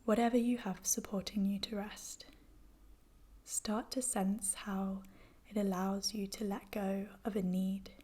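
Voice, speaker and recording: Female meditation guide: hushed, mellow delivery, very even pitch, gentle and soothing, breathy texture. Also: measured pace. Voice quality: soft, breathy, whispery. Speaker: yoga nidra guide.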